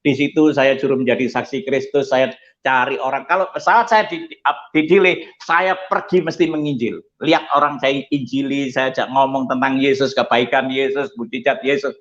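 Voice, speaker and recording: A male pastor giving an animated testimony sermon, telling stories and acting out the people in them. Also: mid-range voice, highs cut off. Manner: animated storytelling, acts out quoted voices.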